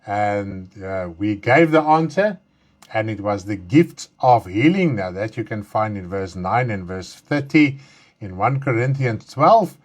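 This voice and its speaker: A man's voice: fairly low pitch, lively intonation. Man teaching Bible study. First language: Afrikaans. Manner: earnest, halting, with frequent fillers and restarts. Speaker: pastor leading Bible study.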